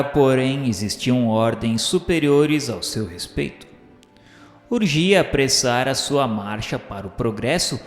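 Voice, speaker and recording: A man narrating a radio drama from a script in a solemn, formal, literary manner. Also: medium pitch. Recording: echoing, reverberant hall sound with music. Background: background music.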